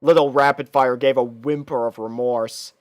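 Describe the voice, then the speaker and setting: A man's voice: mid-range voice, steady tone, normal speed, dry recording, studio quality. A man reading fan fiction aloud as scripted, storybook-style narration.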